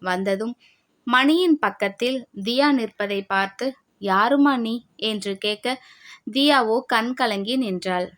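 A woman's voice: fairly high pitch, measured pace. Woman narrating an audio novel. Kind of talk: scripted story narration.

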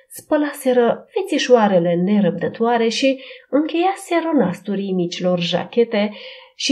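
A woman narrating a Christian audiobook in a steady, expressive reading style. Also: a little high.

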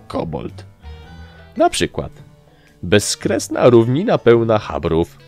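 A brash gnome soldier who talks loudly and fast, pitched well above the reader's own low voice, as a male narrator puts him on. He is boastful and always sure he knows best. His lines are lively, with much rise and fall. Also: full character voice.

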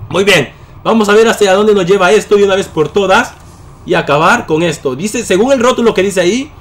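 Young male gamer, high voice, loud and excitable, close mic. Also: a little hiss or hum. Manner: excitable, yelling at enemies in bursts. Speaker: gaming YouTuber. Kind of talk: gameplay commentary.

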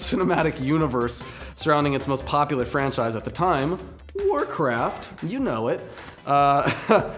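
A man's voice: a little high, a bit bright. A young man co-hosting a scripted comedy explainer in a small studio, jokey and playful with exclaimed bits. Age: young adult. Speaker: co-host.

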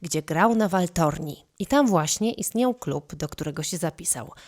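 A woman reporter narrating a news feature in a clear, composed voice. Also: on the low side, expressive, normal speed, a little mellow.

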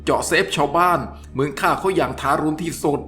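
A man's voice: a little high, a little fast, pushed and bright, faint music behind. A man voicing a tough, commanding master thief who speaks with coarse contempt and open threats. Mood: scornful.

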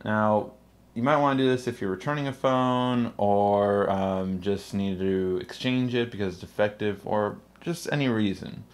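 A man hosting a casual step-by-step tech tutorial, talking the viewer through each step. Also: fairly low pitch. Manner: spells out his name letter by letter in intro and sign-off.

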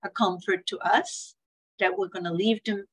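With a steady, fairly bright medium-pitched voice, a breathy edge and a moderate pace, an older woman from Switzerland talks on a video call from her home. A hospice speaker on care planning, she earnestly shares anecdotes in a webinar, imitating the family members she quotes, and has a Swiss accent.

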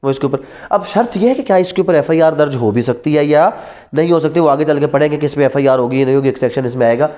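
This law lecture comes from a man in his thirties with a Pakistani accent, his voice on the high side, quick and a little mellow. Standing at a classroom whiteboard, he switches between Urdu and English terms, raising rhetorical questions and repeating the important words.

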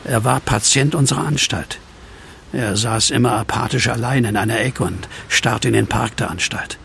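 Earnest, gravelly brooding man. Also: medium pitch, moderate pace, fairly bright tone, a little hiss or hum. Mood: hesitant, pondering. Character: brooding widowed man haunted by a werewolf. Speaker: narrator and lead character. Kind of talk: German audio drama acting, first-person narration. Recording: music under the voice.

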